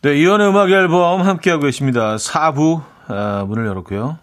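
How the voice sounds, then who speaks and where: A man's voice: a little high, brisk. A man hosting a radio show, chatting casually and jokingly while reading listener messages into a studio microphone. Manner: easygoing, jokey, reads listener messages.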